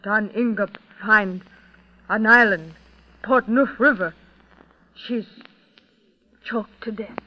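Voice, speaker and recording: Radio drama witness, Native American: high-pitched, unhurried broken English, clipped phrases, muffled old recording. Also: male voice. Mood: mournful testimony. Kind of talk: 1940s-style radio drama acting.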